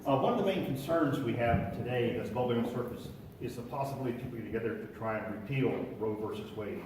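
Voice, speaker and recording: A man's voice: medium pitch, quick pace. A man in the audience putting a formal, prepared question to the panel. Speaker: audience member asking a question. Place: church hall at a public meeting. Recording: echoey hall, distant mic, noisy.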